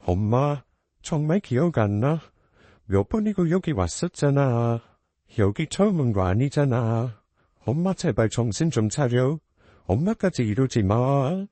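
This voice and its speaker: A man plays a desperate young adult daughter in a storybook drama. She pleads and reproaches her mother, her mellow voice swinging widely. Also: medium pitch, sing-song, unhurried, no echo.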